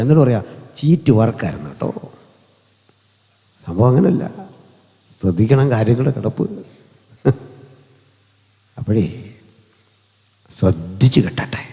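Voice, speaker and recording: Male Malayali pastor, mid-range voice, preaching through a mic in a big echoing hall, jokey and conversational, sudden high climbs. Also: mellow. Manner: humorous, conversational preaching with sudden rises in pitch. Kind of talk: sermon. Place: large hall. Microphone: hand or stand mic through an amplifier. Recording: long hall reverb.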